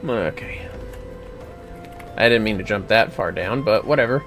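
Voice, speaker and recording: Livestreamer, casual and salty, mid-range lively voice, mutters while playing, music underneath. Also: mid-range voice, measured pace. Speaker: livestreamer playing an online fantasy game. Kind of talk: casual gameplay commentary. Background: game music.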